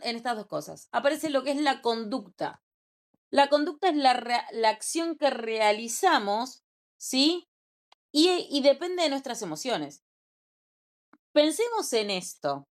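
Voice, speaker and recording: A young woman with an Argentine Spanish accent gives an informal class lecture, conversational and often checking in with quick rhetorical questions. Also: high-pitched. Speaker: teacher.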